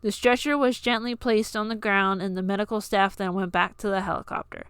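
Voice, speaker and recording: A woman's voice: mid-range voice, fairly even intonation, brisk, fairly bright tone, clear, resonant tone, no echo, clean studio sound. A woman reading scripted fiction aloud as an amateur audiobook narrator.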